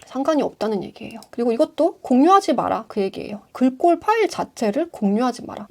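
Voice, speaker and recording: Woman, fast talker, slightly high voice, mellow tone, reads rules then explains them plainly. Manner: reads a passage, then restates it in casual speech. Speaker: designer explaining font licensing. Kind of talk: explanatory tutorial, reading out and paraphrasing.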